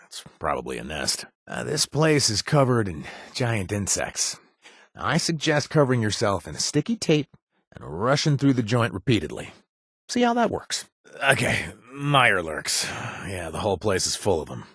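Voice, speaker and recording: A man's voice: on the low side, huge pitch swings, moderate pace, a bit bright, breathy edge, no echo, clean studio sound, exaggerated voice. An actor playing a young male ex-gang member, a chatty ally in a video game who cracks jokes and puns. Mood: joking. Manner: jokey, punning, chatty with fillers.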